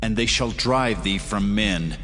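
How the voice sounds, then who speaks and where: An actor playing a stern divine voice from heaven, solemnly pronouncing judgment in a dramatized scripture reading. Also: male voice, on the low side, unhurried, close to an everyday voice. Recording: long cavernous reverb over music.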